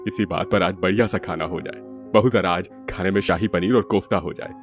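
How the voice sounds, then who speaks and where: A man voicing an agreeable, thrifty middle-aged father-in-law in an animated story. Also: deep voice, brisk, soft background music, close to an everyday voice. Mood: plain.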